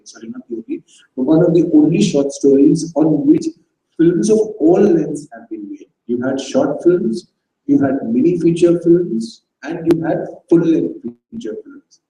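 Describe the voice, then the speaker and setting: A man's voice: fairly high pitch, very animated, normal speed, mellow. A man introducing a staged reading to a live audience, chatty and quizzing the crowd. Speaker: event presenter. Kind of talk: casual talk to a live audience. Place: auditorium at an arts festival. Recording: echoey hall, distant mic.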